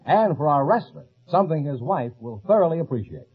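A man's voice: on the high side, sing-song, fairly quick, husky. A man announcing on a vintage radio quiz show in a polished mid-century broadcast style. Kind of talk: 1940s-50s radio announcing. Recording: dull vintage radio, faint music.

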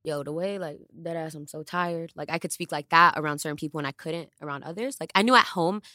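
Here the low-voiced podcast co-host from the Bronx talks quickly in a casual chat, candid and lively, her pitch climbing and falling in bursts. There's no room sound, just clean audio from a studio podcast mic.

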